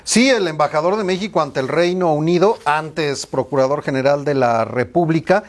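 Male reporter, fairly high voice, wry and matter-of-fact. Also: normal speed. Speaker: news reporter. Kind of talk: news report.

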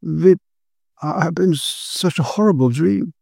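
A man's voice: fairly high pitch, a little slow, gravelly, darkish tone, no room sound, clean studio sound, voice pushed up. A man playing a dazed young man. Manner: dazed, confused.

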